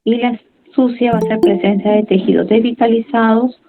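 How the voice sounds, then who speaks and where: A woman's voice: a little high, steady tone, normal speed, phone-quality sound. A woman giving a medical lecture, reading from slides and then explaining in her own words with fillers and tag questions.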